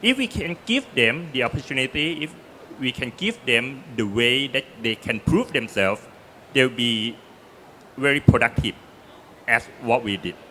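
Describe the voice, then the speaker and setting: A man's voice: mid-range voice, animated, a little slow, pushed and bright, slight background noise, poor audio. A man on a discussion panel, speaking earnestly and stumbling over his openings. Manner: earnest, repeats words when starting.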